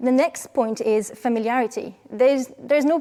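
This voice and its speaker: Her voice is dark and mellow, fairly high in pitch for a woman, with ordinary pitch variation. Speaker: archaeology software co-founder presenting. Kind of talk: conference presentation. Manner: hesitant with fillers; fast.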